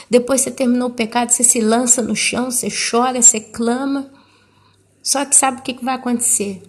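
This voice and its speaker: A woman preaching a sermon, fervent and pleading, speaking straight to the listener. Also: a little high.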